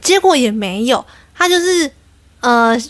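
A young adult woman tells a story on her podcast in an animated, exasperated way. Her voice is high. The recording is dry and close. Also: a little slow, dry recording. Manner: animated, exasperated, quotes people. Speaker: podcast host. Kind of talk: casual storytelling.

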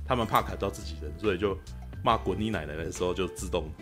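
A man's voice: low voice, quick pace, over loud music. A man, chatting as a podcast co-host and telling stories animatedly. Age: 40s. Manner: animated storyteller, keeps asking "you know?". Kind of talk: casual chat.

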